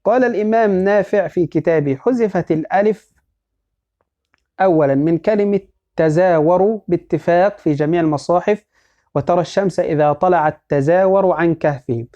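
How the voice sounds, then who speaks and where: A man teaching a recorded religious lesson, explaining patiently, repeating phrases and quizzing listeners, and slowly chanting verse and poem lines. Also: high voice, dark tone. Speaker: teacher of Quran orthography. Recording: dull lo-fi audio.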